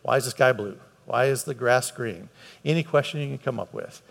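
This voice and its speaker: Speaking quickly in a creaky, mid-range voice, a man from the United States gives a conversational sermon to his congregation in a church hall. His delivery is earnest, with repeated words and a voice that climbs on key points, all wrapped in long hall reverb.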